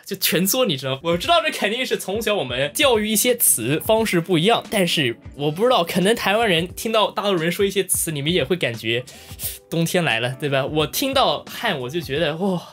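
Man from mainland China, casual talking-head vlog, lively swooping pitch, slightly high voice, faint music behind. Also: brisk. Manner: animated, playful, with exaggerated shocked reactions. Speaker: video host.

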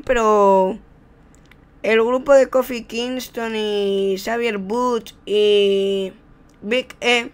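Casting: Spaniard with a clean, smooth voice for off-the-cuff wrestling commentary on video game play, excitable play-by-play delivery. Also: medium pitch. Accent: Spain. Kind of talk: improvised gameplay commentary.

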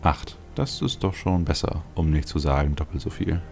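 A man's voice: very deep voice, normal speed, creaky, a little mellow. A man hosting a let's play with casual game commentary, thinking aloud with wry, dry asides. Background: game music.

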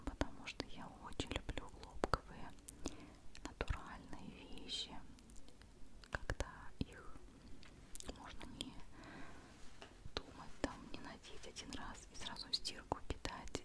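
A woman whispers from very close, as if right in your ear. She speaks in an ASMR chat style, gushing and affectionate. Every phrase stays soft and breathed into a microphone at her lips. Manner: gushing, affectionate, fond of diminutives. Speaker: ASMR video host. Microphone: large studio microphone right at the mouth.

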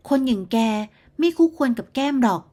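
A woman voicing a boastful, gossiping middle-aged neighborhood auntie in a storybook tale, with a shrill, smug, bragging manner. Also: expressive, normal speed, darkish tone. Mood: angry scolding. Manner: smug, shrill, bragging about her daughter. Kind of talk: storybook character voice.

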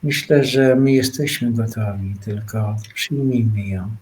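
A man giving a meditative spiritual talk, soft-spoken, his phrases trailing off into quiet pauses. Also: lowish voice, low-quality recording. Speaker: spiritual speaker.

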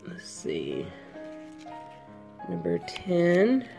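A woman with a cold, sniffling a little, slowly listing her handmade headbands for sale from home. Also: on the low side, huge pitch swings, creaky, mellow, faint music behind. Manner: slow, unhurried item-by-item listing. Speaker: crafter selling handmade headbands. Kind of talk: casual product walkthrough.

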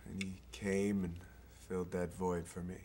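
An actor playing a smug, preachy young gay boyfriend with a condescending manner, on a studio set. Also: male voice, low-pitched, flat delivery, moderate pace, warm tone, slight background noise, lightly acted. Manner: condescending, sanctimonious. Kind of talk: sitcom acting.

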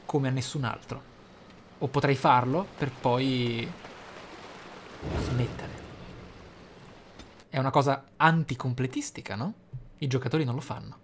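A man commentating on his role-playing game playthrough, musing aloud theatrically with pauses for emphasis. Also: medium pitch, steady tone, a little hiss or hum. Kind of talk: let's play commentary.

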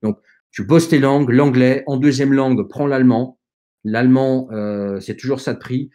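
A man whose first language is not French speaks as a guest on a podcast, offering plain advice to younger listeners. His delivery is hesitant and full of fillers and restarts, but earnest and direct. His voice sits at an ordinary middle pitch. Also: moderate pace, mellow. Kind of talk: conversational advice in an interview.

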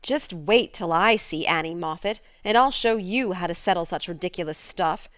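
A woman voicing a blunt, hot-tempered teenage girl in a storybook reading, speaking loudly and indignantly. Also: lowish voice, normal speed, no echo, lightly acted.

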